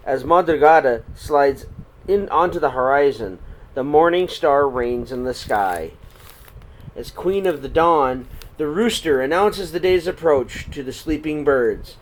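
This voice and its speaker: A man reading a story aloud for children in an expressive, dramatic storytelling style. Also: on the high side, a little slow, rough recording. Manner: dramatic, swinging between hushed and projected. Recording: clear background noise.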